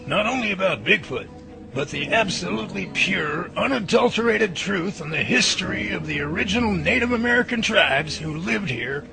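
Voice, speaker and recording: A man's voice: high-pitched, lively intonation, normal speed, gravelly, music in the background, rough recording. A man playing an enthusiastic professor who researches Bigfoot, talking in a folksy, emphatic way in an amateur radio drama.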